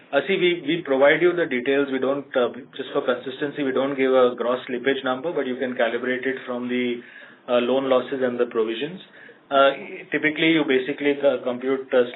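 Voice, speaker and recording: A male executive with an Indian accent explains things in a measured, halting way on an earnings call. His mid-range voice comes through a narrow, muffled conference line. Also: mid-range voice, a little hiss or hum. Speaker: company executive answering analyst questions.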